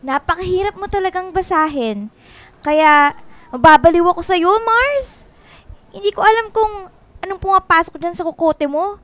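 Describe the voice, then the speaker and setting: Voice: very high-pitched, moderate pace, long pauses, a bit bright, dry recording. A performer voicing a flamboyant, witty gay best friend in a radio drama, with sassy, dramatic, slangy banter. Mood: teasing, exasperated.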